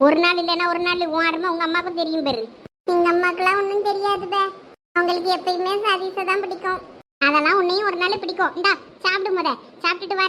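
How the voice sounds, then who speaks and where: A woman's voice: very high voice, sharp tone, a little hiss or hum. A young woman acting out a chatty village comedy skit, consoling and teasing a friend.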